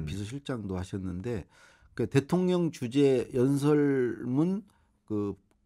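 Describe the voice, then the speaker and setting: A very slow, dark, mellow voice with very wide pitch swings against a quiet background. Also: man. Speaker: writer, former presidential speechwriter. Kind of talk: talk show conversation. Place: studio. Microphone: studio mic.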